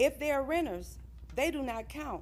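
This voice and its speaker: A woman's voice is heard with audible room echo. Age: 60s. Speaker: resident, public commenter. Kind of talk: public comment at council meeting. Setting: city council meeting.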